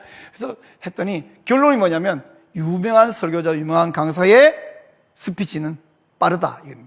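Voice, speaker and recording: Long, frequent pauses break up a man's high-pitched speech, which moves at a moderate pace with lively intonation and big swings in loudness. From Gyeongsang region, South Korea. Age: 60s. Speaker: pastor. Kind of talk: lecture.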